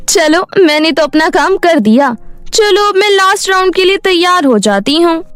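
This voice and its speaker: A woman's voice: extremely high pitch, animated, slow, fairly bright tone, no room sound, faint music behind, exaggerated voice. A woman voicing a jealous, scheming young female fashion model in a cartoon story. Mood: gloating.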